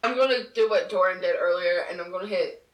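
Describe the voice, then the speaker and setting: A woman's voice: on the low side, fast, echoey room, recorded from a distance, low-quality recording. A woman playing a tabletop game, chatting casually and jokingly with some swearing.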